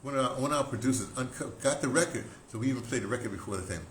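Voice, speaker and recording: An older American man telling stories casually as a talk host, in an excitable, rambling way with broken, repeated phrases. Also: medium pitch, very fast. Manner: excitable, animated storyteller with broken, repetitive phrasing. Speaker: radio drama producer and talk host. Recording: roomy echo, clear background noise.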